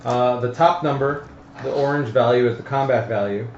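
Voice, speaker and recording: A man hosting a casual tabletop game stream, explaining the rules in a halting, hesitant way. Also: mid-range voice, darkish tone. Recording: roomy, dull audio with faint noise.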